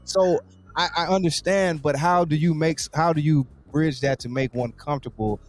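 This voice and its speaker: A man's voice: on the high side, fairly even intonation, moderate pace, soft background music. A man hosting a casual interview, talking in slangy, informal phrases and repeating words as he works toward questions. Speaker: talk show host, interviewer.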